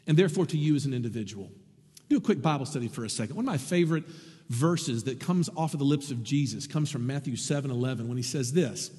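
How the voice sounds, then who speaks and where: A man preaching a sermon to his congregation, lively and animated, with wry asides. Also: mid-range voice, breathy edge, long reverb tail. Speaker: pastor.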